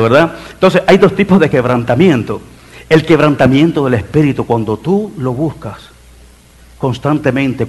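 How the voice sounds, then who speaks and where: A middle-aged man preaching a sermon in church as pastor, building emphasis and dropping into soft asides. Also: mid-range voice, breathy edge. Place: church sanctuary.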